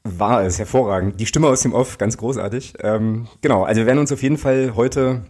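Mellow, husky podcast host, chatty. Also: male voice, mid-range voice, a little fast. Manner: chatty and joking, with many fillers. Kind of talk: casual podcast interview.

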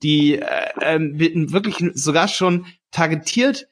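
A man's voice: on the high side, unhurried. Podcast guy explaining stuff, eager, lots of ähms and restarts. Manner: explaining, enthusiastic, hesitant fillers. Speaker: podcast co-host, ads course seller. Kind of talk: casual podcast chat.

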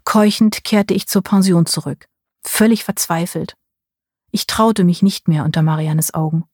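A woman narrating a first-person audiobook in a measured storytelling way, with a husky voice. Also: on the low side, a little mellow, no echo, studio quality. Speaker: audiobook reader.

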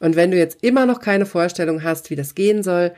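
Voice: medium pitch, a little fast. A coach who runs hypnosis sessions gives a self-help talk, speaking straight to the listener in an encouraging, emphatic way with repeated affirmations. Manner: warm, encouraging second-person address with repeated affirmations; emphatic, pointed phrasing.

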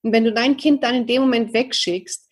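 A woman's voice: a little high, fairly even intonation, a little fast, slightly rough. A woman in her thirties giving a talk to parents, addressing the listener directly with many questions. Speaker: parenting coach. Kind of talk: talk on love languages for parents.

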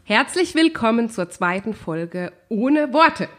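A woman's voice: on the high side, very animated, slow, soft background music. Podcast co-host, woman in her thirties, stuffy with a cold, emphatic and opinionated. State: has a head cold, runny nose. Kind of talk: casual Q&A podcast talk.

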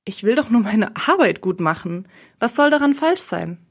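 A woman's voice: on the high side, very animated, moderate pace, breathy edge, full character voice. A dutiful, stressed young woman in a storybook reading, voiced by the narrator. She answers defensively and grows indignant. Her inner thoughts come out brooding. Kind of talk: audiobook role reading.

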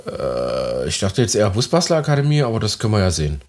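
A man's voice: on the low side, huge pitch swings, fast talker, darkish tone. Guy co-hosting a chill podcast, chatty, laughs a lot, talks right to the listeners. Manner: chatty, addresses listeners as "ihr Lieben", laughs easily. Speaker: podcast co-host. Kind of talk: casual podcast chat.

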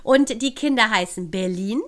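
Woman, middle-aged, hoarse voice, slightly high, enthusiastic, gushing storyteller, casual podcast chat. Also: moderate pace. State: hoarse from a night of dancing. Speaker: podcast co-host.

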